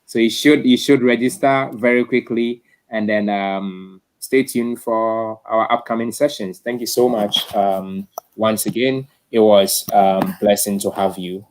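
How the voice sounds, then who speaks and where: Hosting a tech talk live online, this man is informal and effusive, frequently saying things more than once. He speaks with a fairly low pitch and steady tone, a little slowly and with few pauses.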